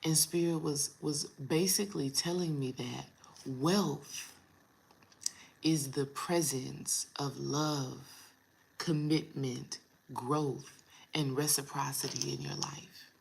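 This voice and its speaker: A woman in her thirties with a raspy, low morning voice, talking casually to her viewers as a spiritual coach. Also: steady tone, low-quality recording. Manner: chatty, addresses viewers as y'all, drawn-out pauses. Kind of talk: casual vlog talk to viewers.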